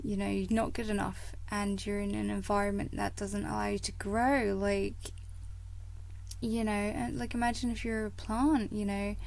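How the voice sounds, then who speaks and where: A woman hosting a motivational podcast in a casual, rambling way, full of fillers and little laughs, her voice croaky from a coming cold. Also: mid-range voice, level tone, moderate pace, darkish tone. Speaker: podcast host.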